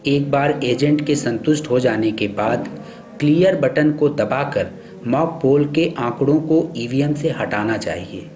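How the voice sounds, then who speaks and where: A man reading scripted instructional narration for a training film in a formal, measured, instructive way. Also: mid-range voice, a little mellow. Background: background music.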